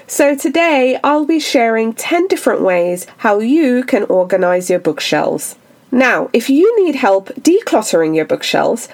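A woman's voice: on the high side, darkish tone. Stuffy-nosed woman hosting a book podcast. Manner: chatty and upbeat, frequent fillers. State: stuffy, under the weather. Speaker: podcast host. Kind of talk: solo podcast talk on books.

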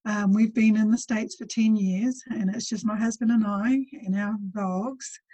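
A woman's voice: mid-range voice, steady tone, unhurried, mellow, no room sound, poor audio. A woman with a New Zealand accent, speaking as a postpartum doula in a casual interview, chatty and full of ums.

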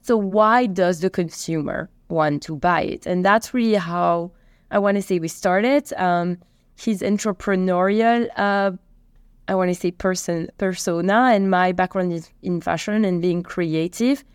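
A woman's voice: fairly low pitch, measured pace, smooth, no echo, clean studio sound. A woman from Belgium with a Belgian accent, telling stories casually as an interview guest and acting out quoted dialogue. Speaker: company co-founder and CEO, podcast guest.

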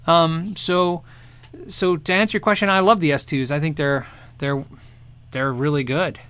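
A man's voice: fairly high pitch, fairly even intonation, moderate pace, fairly bright tone, clear, resonant tone, no room sound. A man hosting a guitar show, chatting casually and answering viewer questions, rambling and restarting sentences and laughing often. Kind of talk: casual live chat.

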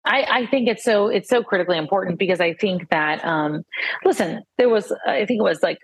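A woman's voice: medium pitch, a little fast, slightly rough. A woman in her fifties, a guest talking about herself in a reflective, earnest way, restarting her sentences often. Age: 50s. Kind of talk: casual conversation.

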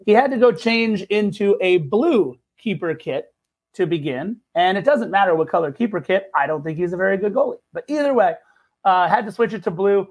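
A man co-hosting a casual sports podcast, throwing in quick jokes and teasing his partner. His voice sits notably high for a man. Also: lively intonation, husky. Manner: wisecracking, teasing. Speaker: podcast co-host.

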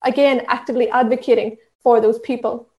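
An Irish woman with a fairly high voice speaks earnestly, teaching in an instructive, steady way, often restarting her sentences and adding fillers. Her voice rings in an echoey room. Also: a little fast, muffled recording. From Ireland. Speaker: diversity and inclusion trainer. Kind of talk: talk at an online session.

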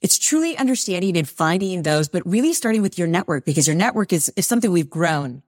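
A woman's voice: on the low side, animated, fast talker, darkish tone, dry recording, clean studio sound. A woman in her forties, a guest on an interview podcast, talking in an upbeat, encouraging way. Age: 40s.

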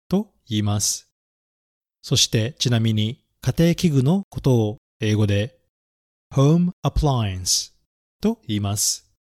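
A man reading a children's story and teaching English words, speaking clearly and carefully and spelling words out letter by letter. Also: medium pitch, darkish tone, no room sound, clean studio sound. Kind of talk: bilingual children's lesson narration.

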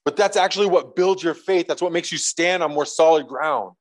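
A man's voice: a little high, fairly quick, low-quality recording. A man preaching a casual, conversational sermon to a congregation, reading scripture aloud and adding light jokes. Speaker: pastor.

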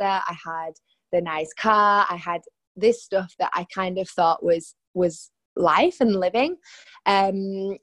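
A woman's voice: fairly low pitch, dry recording. A young woman with a Manchester accent, a personal trainer telling her story on a podcast in a candid, chatty way. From Manchester, England. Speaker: guest, personal trainer and nutritionist. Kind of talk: podcast interview. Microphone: remote call.

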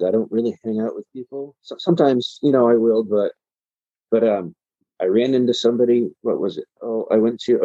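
A man speaking in a casual chat, halting and repeating words. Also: on the low side, mellow, dry recording, muffled recording.

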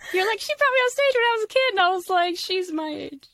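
A woman's voice: very high-pitched, expressive, fast, fairly bright tone, no room sound. Playful woman podcast host in her thirties. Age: 30s. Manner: playful, teasing. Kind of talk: casual podcast interview.

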